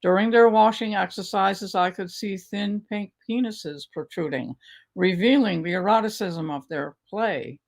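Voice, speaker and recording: Older woman reading a memoir, gravelly. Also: medium pitch. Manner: measured, unhurried storytelling. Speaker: author reading her work. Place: home study lined with bookshelves. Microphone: video call webcam.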